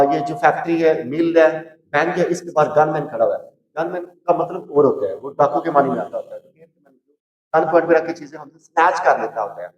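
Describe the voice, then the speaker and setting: A man's voice: a little high, a little mellow, distant mic. Male English teacher in an echoey room. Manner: drills words by repeating them and asking the class. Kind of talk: spoken English lesson.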